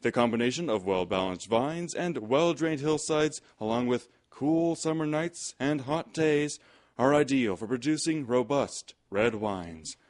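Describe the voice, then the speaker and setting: A man's voice: medium pitch, expressive, a little slow, a little mellow. A man announcing on a radio drama, reading a scripted sponsor message in a polished sales delivery.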